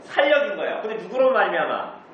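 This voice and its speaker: A man's voice: high voice, very animated, fast talker. A man teaching a church group about the catechism, asking the congregation questions and answering them himself. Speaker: pastor. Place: church meeting room. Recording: distant, echoey, dull room recording.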